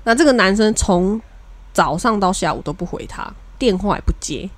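A woman, co-hosting a casual podcast and telling a story with animated energy, acting out what her friends said. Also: medium pitch, moderate pace, no room sound. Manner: animated storyteller who acts out friends' lines. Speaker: podcast co-host.

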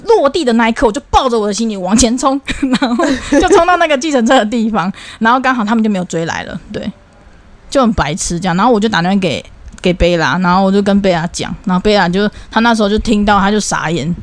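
A man chats on a podcast in a quick, fairly high voice. He tells his stories vividly and acts out everyone's lines. The sound is close and dry, with no room echo. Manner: animated storyteller acting out quoted dialogue. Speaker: podcast co-host. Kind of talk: casual chat.

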